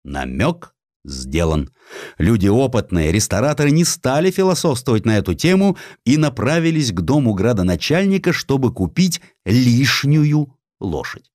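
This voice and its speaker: A man with a mid-pitched voice narrates history like a radio play. His intonation is highly animated and dramatic. The recording is dry, with no room sound. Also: moderate pace, no echo. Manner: dramatic, expressive. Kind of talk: theatrical scripted narration of a historical story.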